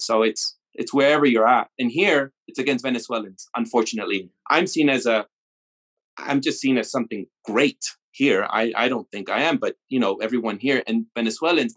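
Laughing as he rambles through his stories, this man from Mexico keeps interrupting himself partway through sentences in a casual conversation. His voice is medium-pitched, and the recording is low quality.

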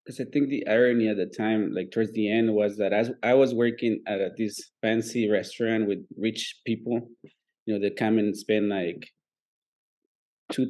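A man's voice: on the low side, mellow. A man co-hosting a podcast who talks in a casual, rambling way and halts often on fillers. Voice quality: gravelly. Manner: rambling, halting with many fillers. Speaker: co-host.

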